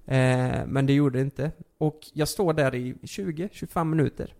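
Gravelly young man telling a story. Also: medium pitch. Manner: animated, many fillers and swearing. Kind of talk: casual storytelling.

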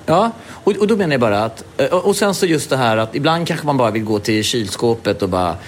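Lively rambling man, chatty podcast co-host. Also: mid-range voice, slight background noise. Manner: rambling, animated, swearing, acting out scenes. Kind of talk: casual chat.

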